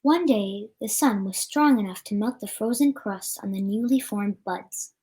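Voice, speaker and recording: A woman's voice: medium pitch, moderate pace, warm tone. A woman reading a children's story aloud as a storyteller, with an occasional stumble over the words.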